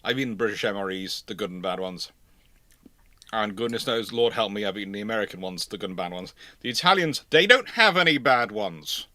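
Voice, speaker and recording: A man's voice: fairly low pitch, expressive, brisk, sharp tone, no echo. A man hosting a live history Q&A in casual, chatty style, with a teasing manner. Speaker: host of a live naval history Q&A stream. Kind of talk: casual live chat, answering viewer questions.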